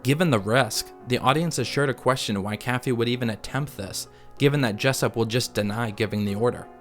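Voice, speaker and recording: A man reading scripted analysis as a video essay narrator, in a measured, articulate, explanatory manner. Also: medium pitch. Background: background music.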